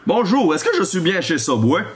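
A young man with a high voice and a Quebec French accent. He talks casually, in the bantering style of a prank caller hosting a video. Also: big pitch swings, normal speed, crowd noise. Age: young adult. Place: small room indoors.

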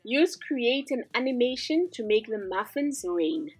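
A woman's voice: fairly high pitch, big pitch swings, unhurried, slightly rough, no room sound, soft background music. A woman hosting a screen-recorded design tutorial, walking through each step in an upbeat, instructive way. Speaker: tutorial host.

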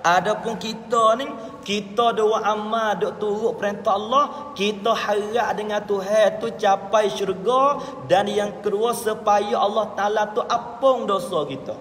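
A man with a Patani Malay accent preaching a sermon as a religious teacher, dropping now and then into low murmured asides. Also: unhurried, fairly bright tone. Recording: echoey hall with faint ambience.

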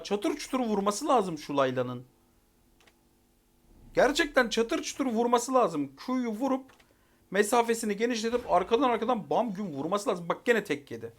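A man giving live commentary over a mobile game, exasperated and barking rapid repeated commands, then calmly talking to viewers at the end. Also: high voice. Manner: calm wrap-up talk to viewers at the end.

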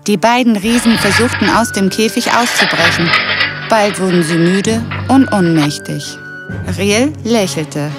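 A woman's voice: mid-range voice, unhurried. Woman narrating a fairy tale over music. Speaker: storyteller. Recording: clear music behind the voice.

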